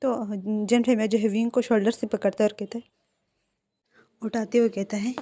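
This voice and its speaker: A woman reading out her own fan fiction story in plain, steady narration. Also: a little high, moderate pace, dry recording.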